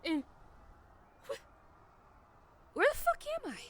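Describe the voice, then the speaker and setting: A woman's voice: extremely high pitch, wildly swooping pitch, slow pace, a bit bright, full character voice. A woman playing a frantic, brash, rambling newcomer stranded in hell in a comedic audio drama. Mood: panicked, confused.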